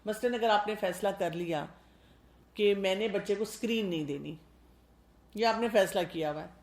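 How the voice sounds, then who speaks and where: A middle-aged woman doctor giving parenting advice in a calm, explanatory way, often asking rhetorical questions. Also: medium pitch, roomy sound. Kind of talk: parenting talk to mothers.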